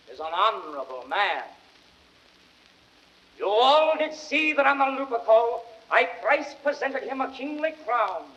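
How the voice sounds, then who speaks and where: An actor playing a grieving, slyly ironic Roman orator, delivering a measured, impassioned speech in classical Shakespearean radio-drama style. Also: male voice, high-pitched, sharp tone, full character voice. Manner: declamatory, measured, rhetorical. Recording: dull vintage record sound.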